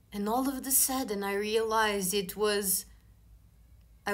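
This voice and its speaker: A woman with a non-native accent at medium pitch and a fairly slow pace, with fairly even intonation and audible room echo. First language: not English. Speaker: spiritual vlogger. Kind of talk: casual monologue vlog. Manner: informal, conversational.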